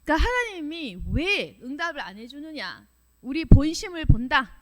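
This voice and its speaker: A woman's voice: sits high, sing-song, moderate pace. A woman preaching at a Friday prayer meeting, emphatic and full of rhetorical questions, acting out the voices she quotes.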